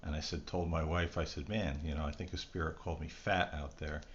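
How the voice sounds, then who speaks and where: A middle-aged man with a very low voice talks casually and reflectively to his viewers. He rambles earnestly, like a conversational host. The recording is dull and lo-fi, with clear background noise. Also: fairly even intonation, a little fast. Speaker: host of a spirit recording channel. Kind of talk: casual, reflective talk to camera.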